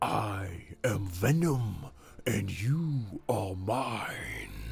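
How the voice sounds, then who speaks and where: Over light background noise, a man puts on a breathy character voice, fairly low in pitch and delivered at a very slow pace. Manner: trailing off, breathy from the chest.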